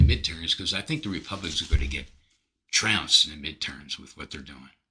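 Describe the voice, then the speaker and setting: Talking at a very fast pace with an American accent, a man has a bright, sharp tone and vocal fry. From New Jersey. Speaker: nurse anesthetist and coach. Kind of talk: casual interview chat. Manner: animated.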